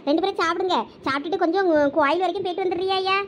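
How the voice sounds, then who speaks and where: A woman's voice: very high voice, rapid-fire, slight background noise. A woman voicing a fussy superstitious village mother. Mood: pleading. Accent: Thoothukudi Tamil. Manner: pleading, coaxing.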